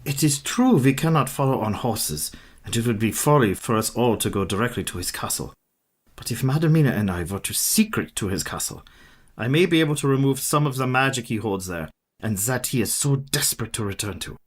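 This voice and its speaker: An actor playing a learned elderly professor who hunts a vampire, speaking in a formal, lecturing, old-fashioned way in a radio play. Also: male voice, medium pitch, animated, a little fast, breathy edge. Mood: grave, lecturing. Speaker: mentor leading the hunters. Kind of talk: community radio play acting.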